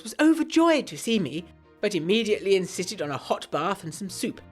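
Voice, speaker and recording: A woman's voice: fairly low pitch, lightly acted. A woman playing a genteel, secretive young 1920s Englishwoman, narrating a gothic audio drama in a refined, confiding way. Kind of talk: scripted first-person audio drama narration.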